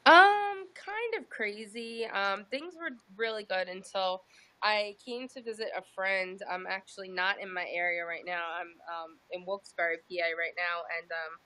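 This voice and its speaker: A woman's voice: medium pitch, normal speed, bright, forceful tone. A woman calling in on a video call, talking hesitantly with many ums and nervous laughs. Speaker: guest caller.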